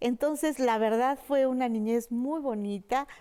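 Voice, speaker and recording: The recording is very clean, with a silent background. A woman speaks at a high pitch and a fairly slow pace. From Mexico, Chiapas (San Cristóbal de las Casas). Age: 60s. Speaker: retired supreme court justice. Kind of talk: interview, life story. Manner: hesitant, many fillers.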